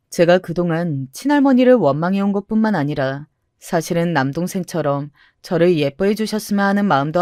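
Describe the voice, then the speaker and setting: Narrator: woman, lowish voice, confessional first-person storytelling, dry close mic. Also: a little mellow, dry recording.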